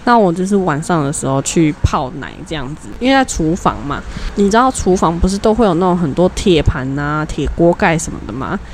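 A woman's voice: fairly low pitch, a little fast, a little hiss or hum. A young woman, co-hosting a podcast and telling a story in casual chat, acting out the voices in her anecdotes. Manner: animated storytelling, acts out quoted dialogue. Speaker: podcast co-host.

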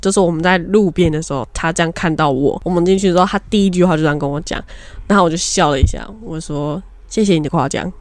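Podcast co-host, young woman, Taiwanese Mandarin accent, animated storyteller, very dry close sound. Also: on the low side, fast talker, dry recording. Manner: animated storytelling, frank and laughing. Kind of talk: casual chat.

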